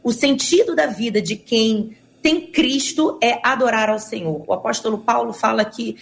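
A woman pastor on a Christian discussion program, talking about worship in a calm, devotional, teaching way. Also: a little high, normal speed, vocal fry, a little hiss or hum. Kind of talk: Christian radio discussion panel.

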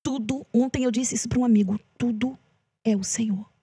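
A woman's voice: fairly high pitch, fairly even intonation, brisk, mellow, breathy edge. A Brazilian woman who is a gospel singer, sharing an emotional testimony in a casual chat and repeating phrases for emphasis. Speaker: gospel singer, podcast guest.

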